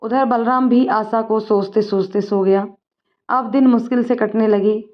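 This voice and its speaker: A woman reading a scripted story in a calm, steady way. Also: on the high side, measured pace. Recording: dull lo-fi recording.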